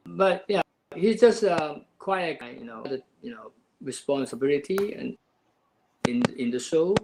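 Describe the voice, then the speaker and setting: A man on a panel speaking over an unstable video call, halting and repeating words in short phrases. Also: fairly high pitch, animated, background noise. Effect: choppy audio over an unstable video call. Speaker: filmmaker panelist. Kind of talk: casual panel discussion.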